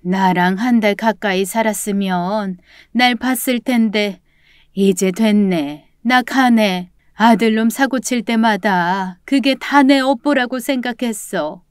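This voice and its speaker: A cunning elderly con woman from a storybook drama, scolding and stubborn, her voice smooth and close with no room around it, as a woman acts her out. She sounds grudging and accusing, never giving ground. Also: on the high side, takes it slowly, no echo. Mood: aggrieved. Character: sly old female con artist grandmother.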